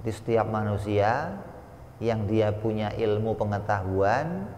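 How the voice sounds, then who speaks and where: Man, religious study lecture, unhurried delivery, echoey hall with long reverb. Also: fairly low pitch, a little hiss or hum. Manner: slow, explanatory, with lively sound-effect examples. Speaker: religious teacher.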